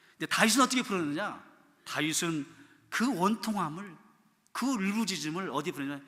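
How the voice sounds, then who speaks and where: A middle-aged male pastor preaching a sermon in a church, acting out prayers and quotes, swinging from loud calls to soft, pleading tones. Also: fairly high pitch. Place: church sanctuary. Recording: church hall reverb.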